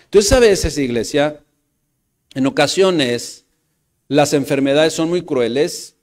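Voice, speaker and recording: A man with a Mexican Spanish accent preaching a sermon to a congregation, repeating phrases and calling out to the brothers and the church, moving between loud emphatic bursts and soft low asides. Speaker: pastor.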